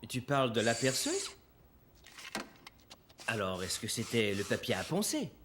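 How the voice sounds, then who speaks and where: A man's voice: medium pitch, huge pitch swings, unhurried, noisy background. A man playing a helpful, patient cartoon father who explains things encouragingly. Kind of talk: cartoon dubbing.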